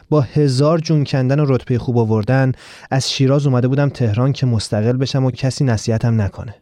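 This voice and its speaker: Man narrating a first-person story, dark tone. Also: mid-range voice, dry recording, clean studio sound. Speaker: audiobook narrator.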